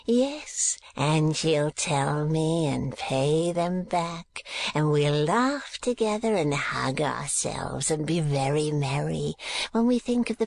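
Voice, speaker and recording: Creaky, gloating old miser. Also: male voice, full character voice. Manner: sneering, wheedling, shrill outbursts. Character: gloating, spiteful, lecherous old male miser. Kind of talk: dramatised audiobook reading.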